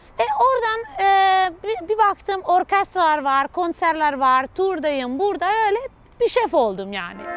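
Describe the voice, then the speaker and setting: Over noticeable background noise, a woman speaks very slowly with very wide pitch swings. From Italy (Perugia). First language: Italian (speaking Turkish). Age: 20s. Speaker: orchestra conductor. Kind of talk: interview monologue. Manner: halting, many filler sounds.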